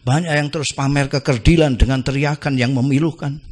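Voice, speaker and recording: A man reciting poetry theatrically, slowing down on some lines and dropping to near-whispers. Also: mid-range voice, fairly even intonation. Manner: theatrical, slow drawn-out lines, sudden drops to near whisper.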